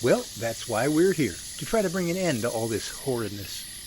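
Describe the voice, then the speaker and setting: A man's voice: mid-range voice, sing-song, normal speed, lightly acted. A man playing an easygoing, folksy, joking friend in an amateur radio drama. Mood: good-natured. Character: good-natured, joking male field buddy. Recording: hissy, noisy background.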